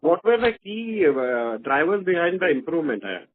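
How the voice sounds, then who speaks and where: High-voiced man on the phone. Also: very animated, moderate pace. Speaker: caller asking questions. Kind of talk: formal questions on conference call. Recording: narrow, tinny phone line.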